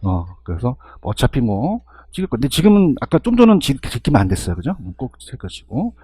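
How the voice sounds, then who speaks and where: A man with a husky voice giving an exam-review lecture, constantly firing rhetorical questions and checking in with his students. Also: medium pitch, wildly swooping pitch, a little fast, dark tone, no echo.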